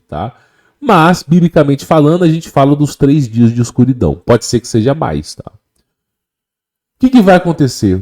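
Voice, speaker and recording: Emphatic Brazilian man, mellow and animated. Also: medium pitch. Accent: Brazilian Portuguese. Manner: emphatic, repeats phrases, acts out quoted voices. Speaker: online religious speaker. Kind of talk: impassioned religious talk.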